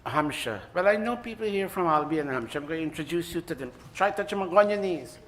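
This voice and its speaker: A man's voice: on the high side, lively intonation, fast, a bit bright, slight background noise. A man leading a temple ceremony, giving the congregation live directions with joking, apologetic asides.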